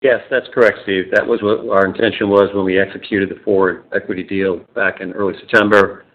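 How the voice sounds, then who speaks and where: A man's voice: on the low side, little pitch movement, brisk. A man speaking as a company executive, answering formally and directly over a narrow phone-like line. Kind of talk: corporate earnings-call answer.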